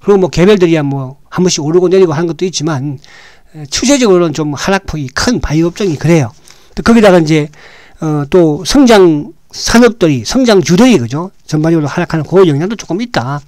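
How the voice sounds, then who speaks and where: A man with a hoarse, slightly raised voice talks through the day's stock market like a regular show host. He speaks casually, restarts his sentences and keeps asking his listeners "right?" The sound is dry and close. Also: on the high side, expressive, darkish tone, no room sound. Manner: talks with frequent "right?" tag questions, halting restarts.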